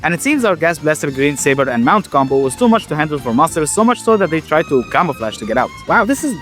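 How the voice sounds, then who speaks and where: A young man who stutters often, narrating and reacting loudly to a game he is playing, casual and swearing. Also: a little high, sing-song, fast, soft background music. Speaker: gaming YouTuber. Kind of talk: game commentary with voice-over narration.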